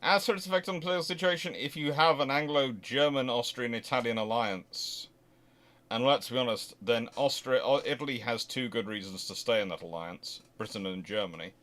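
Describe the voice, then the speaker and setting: A man's voice: medium pitch, a bit bright. A man hosting a live question-and-answer talk on history, speaking off the cuff with frequent restarts and emphatic stresses. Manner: halting, restarts sentences, thinks aloud, emphatic stresses. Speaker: host of naval history channel.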